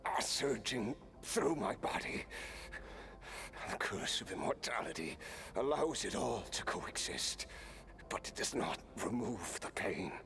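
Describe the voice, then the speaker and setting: An actor playing a grave, tormented immortal warrior in a fantasy video game, speaking in a measured, formal, dramatic way. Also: male voice, fairly low pitch, sing-song, creaky, heavily acted. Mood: pained, resigned. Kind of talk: scripted video game voice acting.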